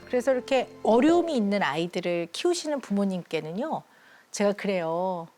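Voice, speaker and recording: A woman speaking as a child psychiatrist guest on a TV talk show, telling an emotional story in an earnest, warm way and acting out the people she quotes. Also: mid-range voice, big pitch swings, moderate pace, faint music behind. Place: TV studio.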